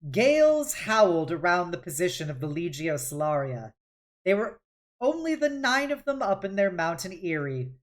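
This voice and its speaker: Low-voiced woman reading a novel aloud. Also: sing-song, normal speed. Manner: dramatic, with occasional stumbles and self-corrections. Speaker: streamer hosting a read-along. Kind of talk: expressive audiobook-style novel reading.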